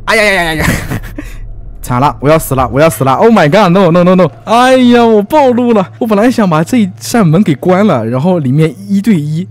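A man giving lively, teasing commentary as he plays a video game, full of exclamations. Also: a little high. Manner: excitable, teasing, frequent exclamations and laughs. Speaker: gaming YouTuber. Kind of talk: let's play commentary.

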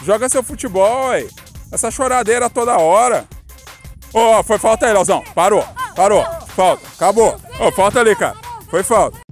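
Excitable high-voiced Brazilian man commentating. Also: moderate pace, soft background music. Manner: excitable, calls out to players, playful teasing. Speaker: host and match commentator. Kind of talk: casual live commentary of a street football game.

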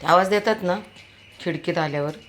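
A woman's voice: on the low side, fairly quick, fairly bright tone, a little hiss or hum. A woman filming her dog, coaxing and calling him in a singsong voice between casual remarks.

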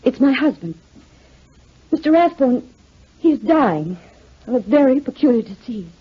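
Worried pleading wife, old 1940s radio play, breathy voice, dull sound. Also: female voice, sits high, big pitch swings, a little slow, exaggerated voice. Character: anxious, pleading wife, genteel and insistent. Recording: muffled 1940s radio recording.

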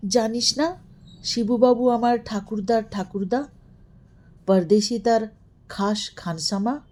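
A woman's voice: fairly high pitch, steady tone, takes it slowly, darkish tone, pitched above the performer's own voice. A woman storyteller playing an exasperated elder relative, scolding and emphatic. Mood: astonished.

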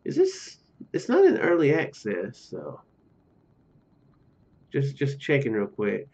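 Lively rambling man, slightly muffled sound. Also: medium pitch, slow pace, creaky. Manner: rambling, joking asides. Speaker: video game streamer. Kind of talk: casual let's play commentary, reading game text aloud. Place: small room at home, indoors. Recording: dull lo-fi home mic, music behind. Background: game music.

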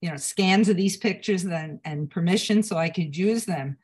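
An older woman talking over a video call in a room at home, her voice at an ordinary middle pitch. She reminisces slowly, pausing on fillers and restarting phrases as she thinks back. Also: a little mellow, breathy edge. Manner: reminiscing, unhurried, halting with fillers. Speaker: photographer and guest.

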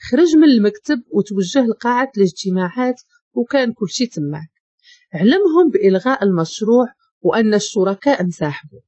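A woman with a Moroccan accent narrating a dramatic story in an expressive, measured reading, recorded dull and lo-fi. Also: medium pitch, dry recording.

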